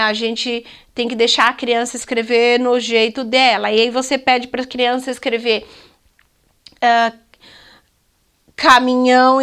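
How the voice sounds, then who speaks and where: Brazilian woman, high voice, literacy teacher explaining classroom games to colleagues in a chatty, practical tone. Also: clear, resonant tone. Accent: Brazilian Portuguese. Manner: chatty, practical, addresses viewers directly. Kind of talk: instructional talk to teachers.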